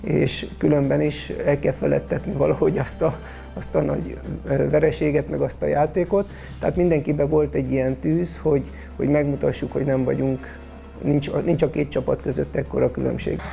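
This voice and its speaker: A man's voice: a little high, flat delivery, vocal fry, dark tone, faint music behind. A man with a Hungarian accent recalling his playing days in a documentary interview. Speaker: footballer recalling a match.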